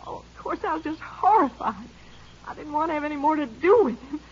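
A woman's voice: high-pitched, lively intonation, fairly quick, slight background noise. A scheming young girl. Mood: pleading. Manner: breathy, tearful pleading. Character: young woman, scheming girlfriend feigning fear. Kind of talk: 1950s radio drama acting. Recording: dull old radio broadcast.

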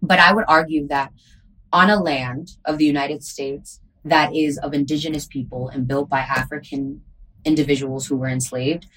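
A woman's voice: sits low, fairly even intonation, normal speed, a bit bright, slightly rough, low-quality recording. A woman hosting a casual chat, talking in an earnest, reflective way with many "like" fillers.

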